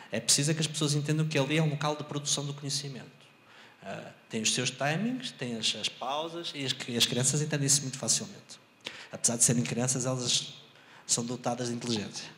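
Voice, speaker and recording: A man's voice: mid-range voice, a bit bright, slight background noise. Expansive European Portuguese teacher, 30s, handheld mic, echoey hall; keeps checking he's understood. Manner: expansive, explanatory, asks if understood. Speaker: invited speaker, math teacher. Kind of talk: lecture answer to audience. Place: university auditorium. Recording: roomy auditorium sound.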